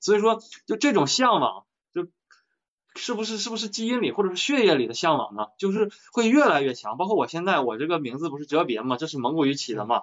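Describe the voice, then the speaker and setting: A man talks at a very fast pace in a high pitch, with very wide pitch swings. He has a Heilongjiang accent. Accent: Heilongjiang (northeastern Mandarin). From northeast China. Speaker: listener asking questions. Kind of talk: casual chat.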